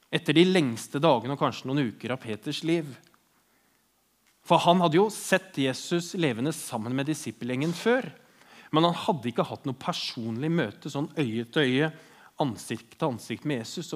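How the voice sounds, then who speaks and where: Norwegian man preaching an earnest sermon. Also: a little high. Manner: earnest storytelling, voicing the speakers in the passage he retells.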